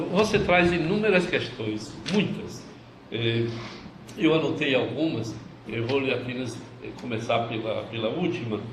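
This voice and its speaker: Speech comes at a fairly slow pace with very wide pitch swings and long, frequent pauses. Noticeable background noise and audible room echo fill the recording. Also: man, medium pitch for a man. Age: 70s. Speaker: panel moderator, professor. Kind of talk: panel discussion.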